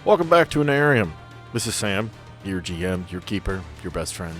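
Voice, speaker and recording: Joking game master, lowish voice. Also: male voice, very animated, moderate pace, soft background music. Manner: playful, joking with players. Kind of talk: narrating a tabletop game.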